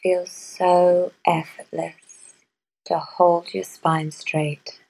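Slow, soft-spoken woman guiding meditation. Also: fairly low pitch, flat delivery, vocal fry, poor audio. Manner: soft, slow, measured with long pauses. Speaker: meditation guide. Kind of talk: guided meditation.

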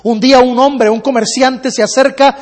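A man preaching a sermon and telling a parable, using rhythmic repetition that builds slowly, in a church hall. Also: very high-pitched, fairly even intonation. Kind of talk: sermon with storytelling. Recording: long hall reverb.

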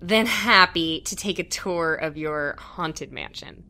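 A woman's voice: low-pitched, slow, sharp tone, a little hiss or hum, full character voice. A woman playing an eager, earnest young woman who believes in ghosts and plays along politely. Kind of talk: audio drama acting.

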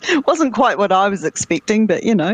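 A woman's voice: mid-range voice, no room sound, rough recording. A woman in a band, chatting and teasing her bandmates with frequent laughter. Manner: teasing, giggly, slow and lively. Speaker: band member guest. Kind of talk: casual interview chat.

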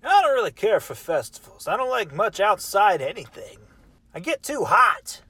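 Man putting on a high-pitched theatrical show host. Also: big pitch swings, normal speed, pushed and bright, slight background noise, full character voice. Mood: eager, curious. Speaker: podcast host. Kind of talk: improvised in-character comedy interview.

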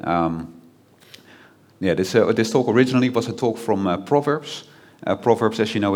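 A Dutch-accented man preaching in a church hall, his voice sitting a little low. He talks in an easygoing, conversational way, stopping often for ums and restarting his sentences. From Netherlands. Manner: chatty, many fillers and restarts. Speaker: guest preacher. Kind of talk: informal sermon.

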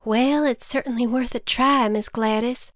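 A woman voicing a polite, gentle farm wife who has fallen ill, in a children's storybook. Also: a little high, steady tone, moderate pace, dry recording, studio quality, pitched above the performer's own voice, lightly acted.

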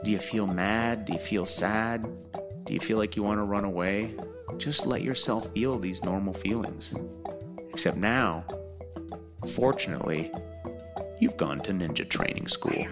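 A man gently guiding young children through a calm grounding exercise, instructing them directly as a narrator. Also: on the low side, a little slow. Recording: music bed under the voice. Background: music.

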